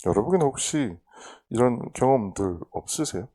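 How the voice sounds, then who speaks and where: A woman pastor preaching a sermon in a church, telling stories animatedly. She acts out quoted dialogue, jumping to loud bursts and dropping to hushed asides. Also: rumbling low, lively intonation, moderate pace. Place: church sanctuary.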